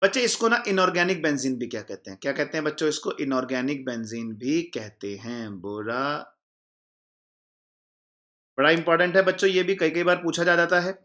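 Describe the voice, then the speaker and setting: A man teaches an exam-prep chemistry lesson with a bright, fairly high voice. He turns every point into a question for his "children" and answers it himself. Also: normal speed. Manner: explains by repeating, asking the class and answering himself; calls the students "children" warmly.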